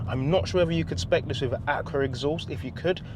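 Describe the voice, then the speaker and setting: A man's voice: fairly high pitch, fast. A middle-aged man reviewing a car as he drives, chatty and enthusiastic, with a joking, self-mocking manner. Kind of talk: casual driving review. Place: inside a car while driving in the wet. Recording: road and rain noise from the car.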